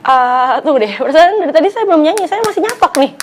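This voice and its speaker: A young woman in her twenties from Palembang talks with a bright, high voice. She is sassy and exasperated, snapping back at every question in a comic sketch. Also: expressive, fast, a little hiss or hum. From Palembang, Indonesia. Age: 20s. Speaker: comedy YouTuber. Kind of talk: comedic sketch.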